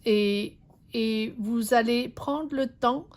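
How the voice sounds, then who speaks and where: A woman reads tarot cards for her viewers. Her voice sits a little high and she talks slowly. She hesitates often and restarts her phrases, while keeping a reassuring tone aimed straight at the listener. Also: darkish tone. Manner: slow, hesitant, many fillers and restarts; reassuring, addresses the viewer directly. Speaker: tarot reader. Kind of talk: intuitive tarot reading.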